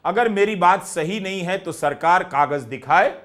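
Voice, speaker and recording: Lively higher-voiced male news commentator. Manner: measured, explanatory narration.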